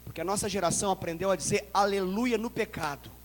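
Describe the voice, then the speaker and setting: A man with a Brazilian Portuguese accent preaching a sermon as a pastor, dramatic and joking with the congregation, breaking into loud cries. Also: high-pitched, fast talker. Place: church sanctuary. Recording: long church hall reverb.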